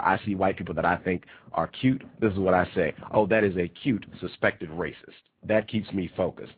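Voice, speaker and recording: A very low-voiced male radio host, nasal and congested from a cold, hammers his points home with repetition. His voice is husky and dry. It comes through a thin, phone-like line. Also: no room sound. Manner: emphatic, repeats key phrases. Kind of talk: talk radio monologue. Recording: tinny phone-line quality.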